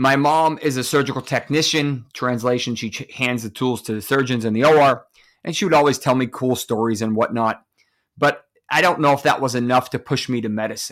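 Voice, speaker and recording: A man talks at medium pitch and a fairly quick pace with fairly even intonation, in an ordinary speaking voice. The recording is very clean, with a silent background. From central Massachusetts, Worcester. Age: 30s. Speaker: physician podcast host. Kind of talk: solo podcast monologue. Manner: frequent repetitions and fillers.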